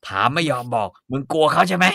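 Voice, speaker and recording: A man voicing a furious, crude older female cook who scolds in shrill, coarse bursts, as part of a comedic story reading. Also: expressive, fast talker, vocal fry, sharp tone, no room sound, studio quality, full character voice.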